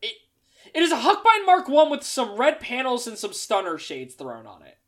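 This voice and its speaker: A woman's voice: on the high side, huge pitch swings, normal speed. Rambling exasperated woman co-host. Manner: rambling, exasperated, lots of fillers. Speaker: podcast co-host. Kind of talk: casual chat about mecha designs.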